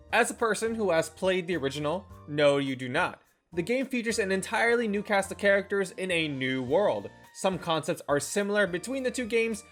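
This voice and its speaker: An animated reviewer narrates a scripted video with lively swings in pitch and a tongue-in-cheek tone. The voice sits at a medium pitch, with music playing faintly underneath. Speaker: video game reviewer, channel host. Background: faint background music.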